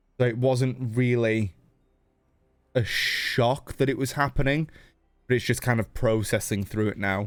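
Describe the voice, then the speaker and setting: This man has an English accent and a medium pitch, talking at a moderate pace. His intonation is fairly even, and the recording is very clean with a silent background. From England. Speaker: game streamer. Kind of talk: live gameplay commentary.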